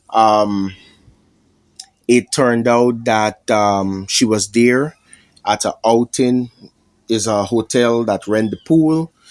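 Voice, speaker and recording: With a Guyanese accent, a man speaks at medium pitch and with fairly even intonation. The recording is very clean against a silent background. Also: long, frequent pauses. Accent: full Guyanese. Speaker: MMA YouTuber, fight analyst. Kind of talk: casual vlog commentary.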